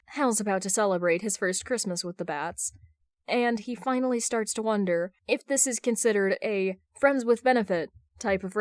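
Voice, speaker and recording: A woman narrates a fan fiction story in audiobook style. Her pitch is mid-range for a woman. The sound is close and dry, with no room echo.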